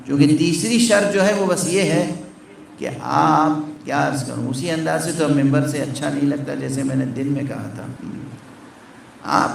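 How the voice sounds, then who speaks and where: A man's voice: fairly high pitch, vocal fry, a little hiss or hum. A man giving a sermon from the pulpit, teaching step by step and putting questions to the gathering. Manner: teaching, counting along, asking the crowd questions. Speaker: Shia cleric. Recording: echoey hall from far off.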